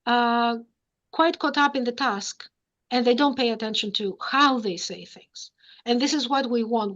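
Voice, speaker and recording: A woman's voice: on the high side, a bit bright, muffled recording. A middle-aged woman professor from Greece answers audience questions in an academic lecture, explaining carefully and thinking aloud over a video call.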